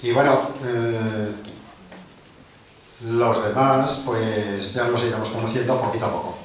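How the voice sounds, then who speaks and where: A man's voice: mid-range voice, steady tone, measured pace. An older man hosts a book presentation in a big, very echoey hall, heard from far off the mic. His speech rambles casually, with little self-deprecating jokes, and there is a faint hiss underneath. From Spain. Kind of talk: informal welcoming speech. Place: large hall of a cultural club, indoors.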